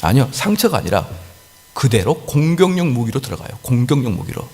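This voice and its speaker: A man preaching a sermon as pastor, lively and animated, acting out little scenes of quarrels. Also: medium pitch, a little fast, in a large hall. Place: church sanctuary.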